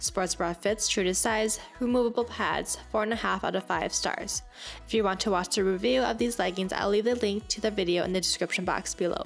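A woman of medium pitch speaks at a fairly quick pace with ordinary pitch variation while music plays in the background. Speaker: fitness content creator. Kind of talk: product review talk to camera.

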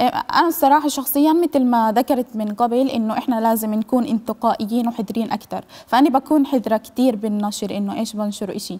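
Fairly high in pitch, a woman talks at a fairly quick pace. She leaves hardly any pauses. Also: ordinary pitch variation. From Israel. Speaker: youth activist; guest. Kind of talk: TV panel discussion. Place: studio. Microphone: lapel.

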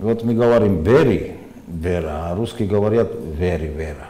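A man with a Georgian accent, fairly low pitch, ordinary pitch variation and a fairly slow pace. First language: Georgian (speaking Russian). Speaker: religious talk show host. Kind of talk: studio discussion on faith and history. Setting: studio. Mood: calm, explanatory. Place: studio.

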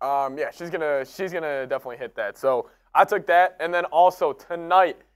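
At a moderate pace, a man speaks with ordinary pitch variation against a quiet background. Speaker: sports streamer. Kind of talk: live commentary. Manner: casual. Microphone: headset.

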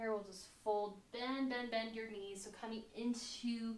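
A monotone, flat voice at a fairly slow pace, with audible room echo. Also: woman. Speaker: yoga instructor. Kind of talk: tutorial. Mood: calm, soothing. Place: home room.

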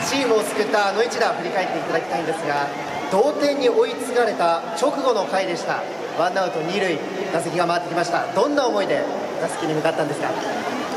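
Someone speaks at a fairly quick pace while crowd noise carries in the background. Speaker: stadium interviewer. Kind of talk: interview questions. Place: stadium.

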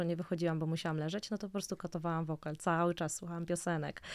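Against a quiet background, a woman's voice comes through at a fairly low pitch. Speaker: singer and music producer. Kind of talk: casual interview conversation. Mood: warm, reflective. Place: studio. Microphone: studio mic.

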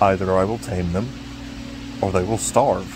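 Over noticeable background noise, a man with a very deep, low voice speaks at a moderate pace. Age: 20s. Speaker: gaming vlogger. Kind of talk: casual video diary. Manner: rambling with many fillers.

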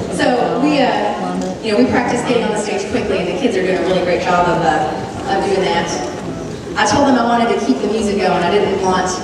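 A woman's fairly quick speech, with audible room echo and noticeable background noise. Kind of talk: announcement to audience. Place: stage. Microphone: pa.

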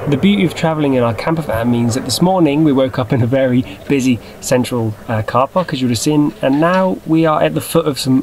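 A man talks at a very fast pace with ordinary pitch variation. Light background noise sits behind him. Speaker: travel vlogger. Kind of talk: casual vlog chat. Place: car. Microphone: camera far.

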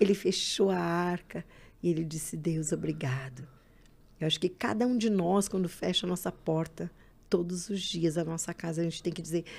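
A woman speaks at a fairly low pitch in a somewhat breathy voice. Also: ordinary pitch variation, moderate pace. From Rio Grande do Sul, Brazil. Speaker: mother sharing faith testimony; podcast guest. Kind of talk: testimony. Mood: earnest, emotional testimony. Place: studio. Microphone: studio mic.

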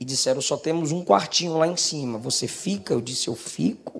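An intense tone comes through at a moderate pace, with ordinary pitch variation. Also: man. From Ilhéus, Bahia, Brazil; Bahia, Brazil. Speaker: pastor preacher. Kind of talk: sermon with personal testimony; fervent, loud, pleading prayer at the climax of the sermon. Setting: church with congregation. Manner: fervent, crying-out, intense, rising in volume. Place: church. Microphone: handheld.

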